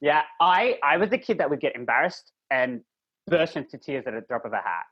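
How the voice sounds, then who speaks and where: A man co-hosting a casual podcast chat, acting out quotes with big jumps in pitch as he talks. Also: sing-song, fairly quick, husky, lo-fi sound. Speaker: podcast co-host.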